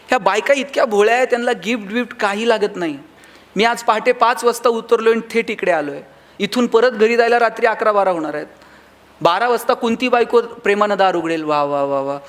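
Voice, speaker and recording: A man with a Marathi accent and a high-pitched, slightly bright voice delivers a motivational speech in a hall. He tells stories and acts out dialogue in other voices.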